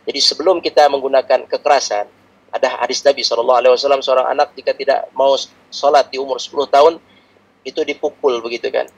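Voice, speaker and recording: A man preaching a religious lecture in a calm, explanatory teaching manner, repeating his points often. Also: mid-range voice, quick pace, husky, muffled recording.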